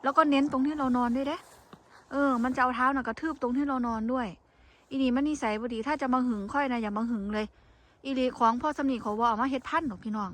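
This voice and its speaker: A woman's voice: high-pitched, fairly even intonation, fast talker. Chatty Isan-accented woman vlogger. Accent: Isan (Northeastern Thai). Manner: chatty, complaining, addresses viewers as siblings. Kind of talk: casual talking vlog to viewers. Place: outdoors walking in the cold.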